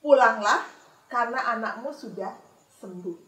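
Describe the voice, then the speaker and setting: A woman voicing a calm male teacher speaking slow, measured words in a children's Bible story. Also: on the high side. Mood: gentle. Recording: echoey room from a distance.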